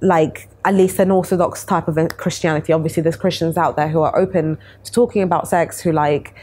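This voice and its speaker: A woman's voice: low voice, fairly even intonation, brisk, mellow, slight background noise. A young woman in her twenties, a panel guest talking candidly and chattily in a casual discussion, laughing easily. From Italy. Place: bright studio room, city view.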